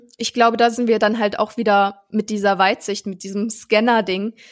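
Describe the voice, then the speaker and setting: A woman speaks in a monotone, flat intonation. The sound is dry and close with no echo, on a very clean recording with a silent background. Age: 20s. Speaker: student and actress. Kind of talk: podcast interview.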